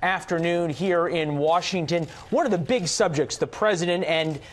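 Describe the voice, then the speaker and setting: A man's voice: a little high, normal speed. An American man working as a news anchor, conducting a live political interview.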